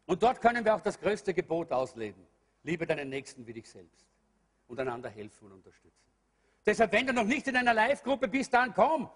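Emphatic high-voiced preacher in hall. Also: male voice, sing-song, fairly quick. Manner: emphatic preaching, calls out to the congregation, swings loud and soft. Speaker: pastor. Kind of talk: sermon. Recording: long hall reverb.

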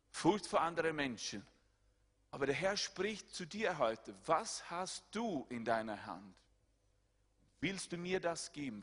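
A male pastor, delivering a sermon in a bright, forceful voice. He moves between loud, soaring appeals and hushed, lower asides. The voice carries a long reverb, as if it fills a large hall. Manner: swings between loud high-pitched preaching and quiet low asides.

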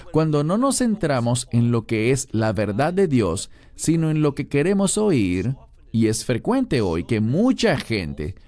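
A man's voice: medium pitch, a little mellow. A man preaching a sermon verse by verse, reading scripture and then explaining it. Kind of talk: expository sermon.

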